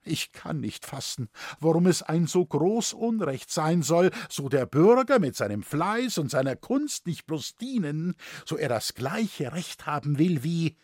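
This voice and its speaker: A man's voice: a little high, very animated, measured pace, few pauses, a little mellow, no echo, studio quality. A man reading an audiobook, voicing an innocent young noble daughter who pleads earnestly.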